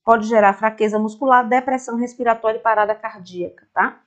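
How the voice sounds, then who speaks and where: A woman's voice: a little high, steady tone, quick pace, dull audio. A woman with a Brazilian Portuguese accent teaching an online nursing exam-prep lecture. She explains step by step and often checks in with "tá?". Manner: reassuring and direct toward students.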